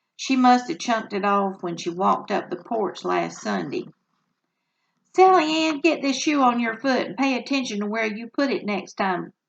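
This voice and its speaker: A woman speaks at a fairly high pitch with very wide pitch swings. Her pace is moderate, and the background is quiet. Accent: Southern US. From North Florida. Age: 70s. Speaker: retired writing and literature teacher. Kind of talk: read story. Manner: humorous folk storytelling.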